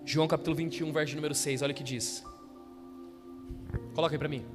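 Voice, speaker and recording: High-voiced pastor preaching in a hall. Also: male voice, steady tone, quick pace, music in the background. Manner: preaching with call-and-response questions to the congregation. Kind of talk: sermon. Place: church hall.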